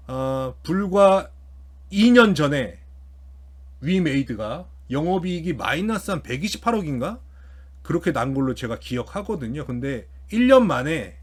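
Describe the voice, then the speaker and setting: High-pitched, animated man explaining figures. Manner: informal, thinking aloud as he works through figures. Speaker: YouTube host commenting on company earnings. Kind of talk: casual explanatory financial commentary.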